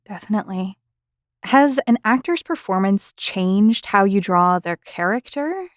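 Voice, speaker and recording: A woman's voice: medium pitch, expressive, a little slow, no echo, studio quality. A woman hosting an interview, putting questions and comments in a conversational way.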